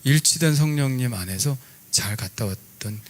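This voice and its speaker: A middle-aged man, a pastor, preaching a sermon in a relaxed, conversational storytelling way with lively asides. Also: mid-range voice, normal speed.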